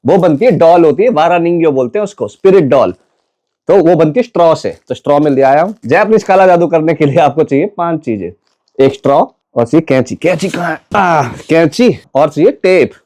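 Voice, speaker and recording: A man's voice: fairly high pitch, expressive, fairly quick, mellow, dry recording. A man from Haryana with a Haryanvi accent, telling stories in a casual, joking vlog and chuckling as he goes. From Haryana, India. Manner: chatty and joking, laughs between lines. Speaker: vlogger.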